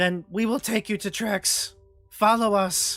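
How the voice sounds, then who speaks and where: A raspy, put-on character voice speaks at a fairly high pitch and a fairly slow pace. Faint music sits in the background. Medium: actual play. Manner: friendly, eager.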